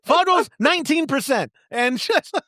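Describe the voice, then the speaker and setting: A man with an extremely high pitch, lively intonation, and a sharp tone speaks a little slowly in a studio-quality recording with no room sound. As a podcast co-host, he jokes about himself in casual banter, breaks into silly sung bits, then reads a sponsor ad.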